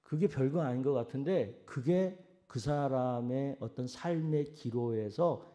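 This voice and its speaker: A senior pastor preaching a sermon, asking the congregation questions and acting out quoted sayings in a soft, low voice. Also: male voice, measured pace. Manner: asks the congregation direct questions.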